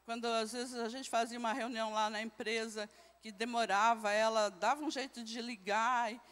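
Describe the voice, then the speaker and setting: A Brazilian woman with a fairly high voice leads a Sunday school class. She keeps questioning the group, tacking a quick tag onto her sentences. Her microphone rings with the long reverb of a church hall. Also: fairly even intonation, fairly bright tone. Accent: Brazilian Portuguese. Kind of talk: teaching a Bible class.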